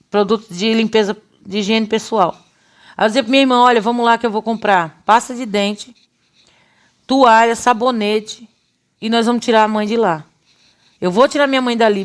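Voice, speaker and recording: A middle-aged Brazilian woman giving a religious testimony, telling her story in an earnest, emotional way. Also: a little high. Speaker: church member giving testimony.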